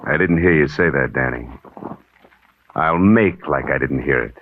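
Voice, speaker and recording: An actor playing a smug, needling newspaper columnist with an oily, insinuating manner. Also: male voice, extremely low pitch, moderate pace. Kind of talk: 1940s radio acting. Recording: thin, phone-like old radio with faint hiss.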